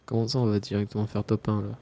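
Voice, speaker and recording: A man's voice: fairly low pitch, quick pace, a little hiss or hum. A man streaming a game live, chatting casually while he plays, stuffy from a cold. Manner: relaxed, mumbling asides, frequent fillers. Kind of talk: casual live gameplay chat.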